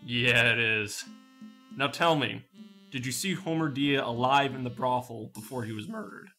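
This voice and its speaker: A man's voice: medium pitch, normal speed, pushed and bright, soft background music. A man playing a wily detective questioning a witness in a sci-fi radio drama. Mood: coaxing. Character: wily male detective humouring and questioning a robot.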